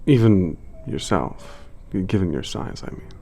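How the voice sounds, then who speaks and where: A man playing an old, gentle, reflective giant, speaking in a measured, formal way as in an ASMR letter home. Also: low voice, lively intonation, a little hiss or hum. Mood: gently attentive. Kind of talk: ASMR letter narration and roleplay.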